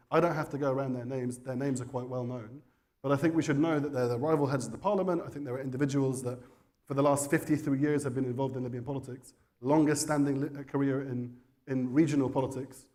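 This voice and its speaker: Insistent man with a mellow voice. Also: mid-range voice. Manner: forceful, insistent argument. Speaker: panelist. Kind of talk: panel discussion. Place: conference hall.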